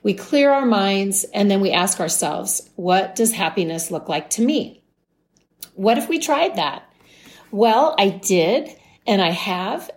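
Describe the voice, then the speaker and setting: A woman, a life wellness coach, hosting a podcast in a calm, gently encouraging, measured way. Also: mid-range voice. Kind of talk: scripted podcast monologue.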